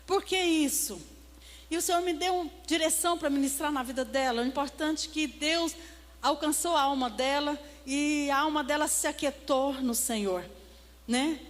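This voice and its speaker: Brief: woman pastor, high voice, preaching a sermon, long hall echo, checks in with the congregation as she goes. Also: moderate pace. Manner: preaching with repeated "amém?" and "né?" calls to the congregation. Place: church.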